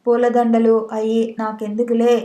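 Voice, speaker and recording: A woman's voice: on the high side, monotone, normal speed, mellow, lightly acted. A woman voicing a frightened young village woman who is by turns defiant and pleading. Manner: tearful, pleading. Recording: echoey room.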